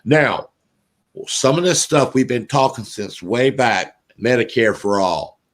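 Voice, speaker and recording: A man's voice: mid-range voice, expressive, a little slow. A man with a Southern drawl from North Carolina, hosting a casual political talk radio show in a rambling, folksy way with many fillers.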